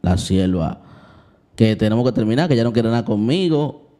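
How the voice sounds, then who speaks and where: Speaking at a normal speed in a fairly low, mellow voice with lively intonation, a young man shares a personal story on his Christian vlog. He's frank and confessional, talks straight to the audience, and performs the scenes as he recounts them.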